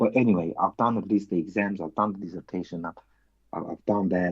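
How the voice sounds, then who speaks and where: Here a man talks in a fairly low pitch with a non-native accent. His pace is fairly quick and his intonation fairly even. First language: not English. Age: 40s. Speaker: channel owner, precious metals stacker. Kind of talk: casual chat.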